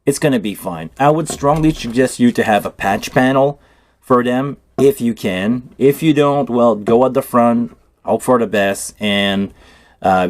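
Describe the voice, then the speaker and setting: A native French speaker with a Quebec accent hosts a casual tech livestream, chatting loosely and thinking aloud while working on a cable build. His voice is on the low side with a darkish tone, and his talk rambles.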